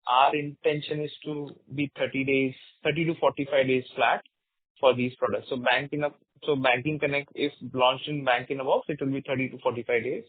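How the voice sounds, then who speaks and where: A man answering questions as a company executive on an earnings call, explaining in a halting way. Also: medium pitch, little pitch movement, husky, dry recording. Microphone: conference phone call. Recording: narrow tinny phone line.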